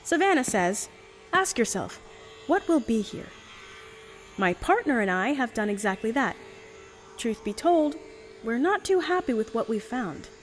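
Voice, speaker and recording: A woman's voice: fairly high pitch, sing-song, measured pace, long pauses, faint music behind. A woman playing a cool, bluffing young heiress in an audio drama, composed, haughty and persuasive.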